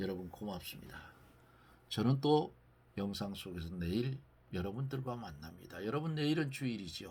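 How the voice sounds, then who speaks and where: A somewhat breathy man with a slight Gangwon accent speaks at a fairly low pitch and moderate pace, with very wide pitch swings, long, frequent pauses and audible room echo. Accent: slight Jeongseon dialect. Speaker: church elder, Bible teacher. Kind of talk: Bible exposition. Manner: homely, conversational.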